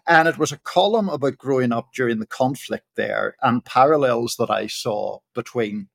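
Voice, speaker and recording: Gravelly Northern Irish male columnist. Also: mid-range voice. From Northern Ireland. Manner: measured, analytical, frequent restarts. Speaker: political columnist. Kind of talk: panel discussion commentary.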